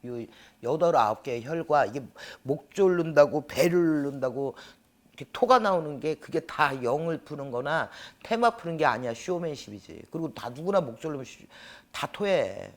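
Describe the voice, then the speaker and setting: A man recounting a true exorcism experience, acting out the dialogue and dropping to hushed tones at tense moments. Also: a little high, normal speed. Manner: animated, acts out dialogue, drops to hushed tones. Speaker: exorcist storyteller. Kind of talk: recounting a true horror story. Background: background music.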